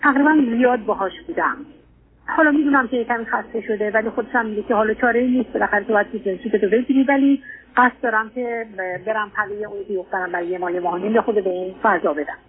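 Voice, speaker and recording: Through a thin, tinny telephone line comes a mature woman with an Iranian Persian accent and a mid-pitched voice. She is a caller giving a personal account, hesitant and polite, with a deferential way of speaking. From Iran. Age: 50s or older. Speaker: caller seeking advice. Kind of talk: personal account on a radio advice call. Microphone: phone call to a radio show. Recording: tinny narrow-band phone line.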